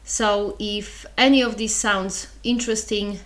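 A woman's voice: medium pitch, fairly even intonation, measured pace, a bit bright. Chatty Polish-accented woman podcaster. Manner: chatty and wry, with asides and small laughs. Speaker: podcast host. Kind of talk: solo podcast lecture.

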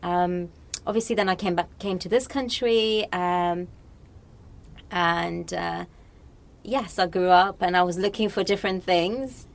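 A woman's voice: on the low side, unhurried, gravelly. A woman from Morocco talking casually and reflectively as an interview guest.

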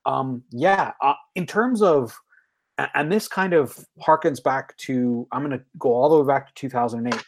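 A man's voice: medium pitch, moderate pace. A man in his forties, a guest on a podcast, chatting casually and enthusiastically with frequent restarts. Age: 40s. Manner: enthusiastic, rambling, many restarts.

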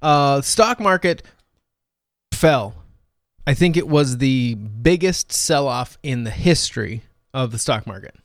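A man's voice: mid-range voice, expressive, slow pace, no room sound, studio quality. A man hosting a show with casual, wry, colloquial commentary. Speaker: show host.

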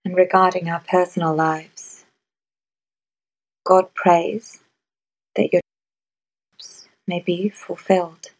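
A woman guiding a meditation in a soft, measured way, with long pauses between phrases. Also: fairly low pitch, flat delivery, low-quality recording. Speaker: meditation guide. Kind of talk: guided meditation.

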